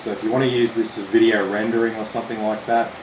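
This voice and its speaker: Australian man, slightly croaky, relaxed and chatty, lowish voice, roomy echo, air-con hum behind. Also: fast. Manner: relaxed, chatty, explains steps plainly. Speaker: PC builder hosting a live stream. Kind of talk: casual live-stream walkthrough.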